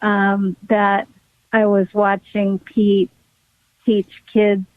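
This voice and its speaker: A woman's voice: mid-range voice, completely flat delivery, extremely slow, dry recording. Woman on a dry, phone-like line. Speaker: guest, pediatric neurologist. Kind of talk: conversational interview.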